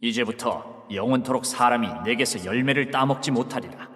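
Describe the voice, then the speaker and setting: Solemn, authoritative male holy teacher played by an actor for audio scripture drama; measured declamation, mid-pitched, long hall reverb. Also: fairly bright tone, natural voice. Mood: stern. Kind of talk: dramatized Bible reading.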